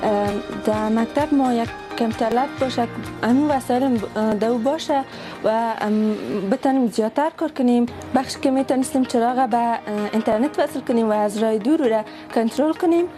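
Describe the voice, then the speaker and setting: Afghan girl student testimonial, talks super fast, highish voice w music under it. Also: warm tone. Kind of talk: video testimonial.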